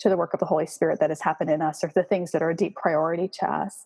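Woman in a Western Canadian accent with ordinary pitch variation. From Canada, Saskatchewan. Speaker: author and blogger. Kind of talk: interview conversation. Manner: frequent fillers and hesitations.

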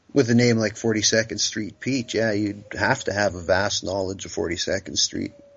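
A man speaks at a moderate pace with a fairly low pitch. Noticeable background noise is present. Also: hardly any pauses. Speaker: podcast co-host. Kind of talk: casual chat. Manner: crude, joking, profane.

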